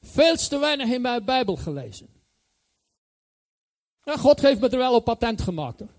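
High-voiced enthusiastic male preacher. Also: sing-song, moderate pace, darkish tone. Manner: enthusiastic, emphatic repetition. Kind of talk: sermon.

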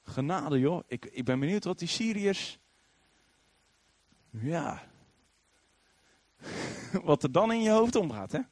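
A man preaching a sermon, telling the story in an animated way and acting out the voices of the people he quotes. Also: on the high side, slow, long pauses, dry recording.

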